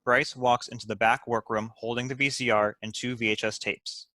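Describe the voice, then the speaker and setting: A man's voice: medium pitch, level tone, moderate pace, pushed and bright, no room sound. A man reading screenplay stage directions as a scripted narrator.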